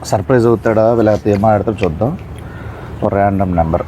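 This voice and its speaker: A man's voice: on the low side, fast, mellow, muffled recording, slight background noise. A man hosting a casual, playful interview in a jokey, coaxing way. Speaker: interviewer, show host.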